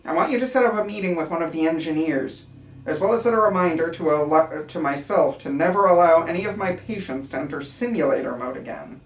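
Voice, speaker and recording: A woman's voice: deep voice, a little fast, close to an everyday voice. A woman playing an earnest, controlling male psychiatrist at a script table read, stumbling slightly and speaking clinically and insistently. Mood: grave. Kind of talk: table reading of a film script. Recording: roomy, distant mic, faint room noise.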